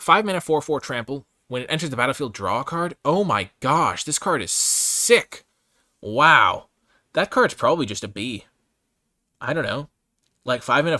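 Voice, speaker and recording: Male host, casual game review, very lively intonation, bright forceful tone, dry close sound. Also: medium pitch, no room sound. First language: English. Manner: opinionated, thinks aloud, hedging and revising his grades. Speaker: host reviewing trading card game cards. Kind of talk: casual off-the-cuff card review commentary.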